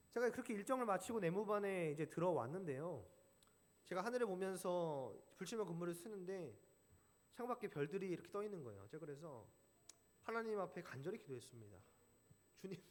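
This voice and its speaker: A young adult man pastor preaching a sermon, telling a story from his own life and acting out the voices of other people in it. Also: high voice. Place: church sanctuary. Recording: church hall reverb.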